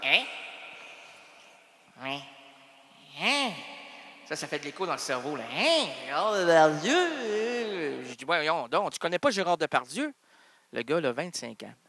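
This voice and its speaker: A man with a Québécois French accent rambles through an improvised comic monologue in a bright, ringing voice. His pitch sits a little high for a man. The sound is close and dry, with no room behind it. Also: animated, fast talker, dry recording. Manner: rambling, jumps between silly voices and asides.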